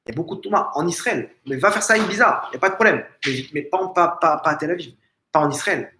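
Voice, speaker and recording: A rabbi giving an informal religious lesson in a family home, asking rhetorical questions and repeating phrases with emphasis. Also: male voice, a little high, fast talker, background noise. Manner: frequent restarts and stumbles. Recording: echoey room.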